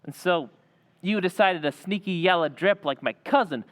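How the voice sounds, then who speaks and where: A man's voice: high-pitched, normal speed, a bit bright. A man acting in an old-time radio drama as a jealous, defensive young working-class guy who talks in tough slang, recorded in an echoey hall. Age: young adult.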